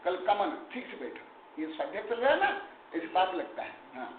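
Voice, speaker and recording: Animated high-voiced man teaching scripture. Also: normal speed. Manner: emphatic, animated, chiding students, mixes English terms. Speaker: Jain monk teacher. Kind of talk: scripture study class. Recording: echoey room, tinny phone-like sound, faint noise.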